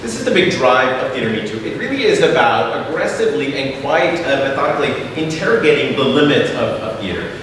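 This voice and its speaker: A man's voice: mid-range voice, sing-song, brisk, few pauses. A middle-aged man, native Spanish speaker from Mexico, presenting his theater company with slides, full of "uh"s and rhetorical "right?". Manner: many filler sounds, frequent rhetorical "right?". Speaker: theater company artistic director giving a talk. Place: large echoing hall. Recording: echoey hall, voice from far off, faint noise.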